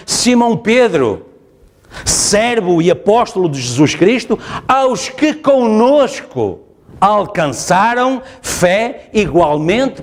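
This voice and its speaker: A male pastor with a European Portuguese accent, preaching emphatically and repeating his phrases. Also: sits high. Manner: emphatic, repeats phrases, asks the congregation "está a ver?". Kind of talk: sermon. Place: church.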